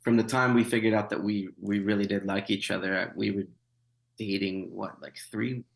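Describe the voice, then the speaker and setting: A man's voice: fairly low pitch, steady tone, moderate pace, creaky, rough recording. A man in his thirties, a missionary guest in an interview, telling his story with wry humor, many fillers and restarts. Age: 30s. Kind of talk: conversational interview.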